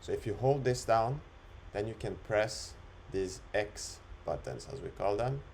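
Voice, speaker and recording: A man talking through an unscripted screen-recorded software demo, explaining it step by step in an instructional way. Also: fairly low pitch, animated, a little slow, creaky, a little hiss or hum. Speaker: software demonstrator.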